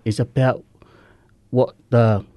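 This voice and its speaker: A Samoan man, whose first language is Samoan, speaking earnest, halting English as a guest in a radio interview. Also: medium pitch, flat delivery, mellow, dry recording. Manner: earnest, halting, simple non-native English. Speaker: guest sharing recovery story.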